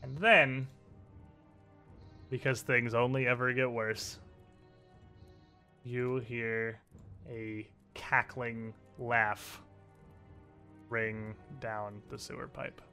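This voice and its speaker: Slow, bright-voiced man as game master. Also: medium pitch, little pitch movement, soft background music. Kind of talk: narrating a tabletop role-playing game.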